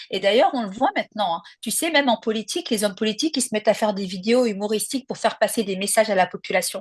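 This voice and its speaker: Somewhat breathy and animated in tone, a woman with a fairly high pitch talks at a very fast pace with ordinary pitch variation in a dry, close sound with no echo. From France (Lebanese family, born in Lebanon). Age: 40s. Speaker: comedian and content creator. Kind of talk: interview.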